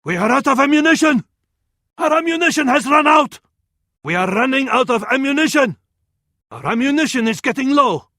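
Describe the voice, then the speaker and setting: A fervent Arab battlefield counsellor from a strategy game. The voice sits high and rings out bright and forceful, with an Arabic accent. The delivery is ornate and theatrical, addressed to a sultan, in a very dry, close recording. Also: male voice, animated, moderate pace, no room sound, full character voice. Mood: urgent alarm. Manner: ornate, dramatic, proverb-laden delivery. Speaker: military advisor in a strategy game. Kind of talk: theatrical video game voice acting.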